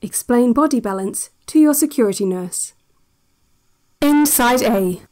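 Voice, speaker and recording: A woman narrating an eerie-calm institutional relaxation cassette in an audio drama. Her voice is higher-set yet mellow, and she gives each soothing instruction slowly, in a measured, controlled way.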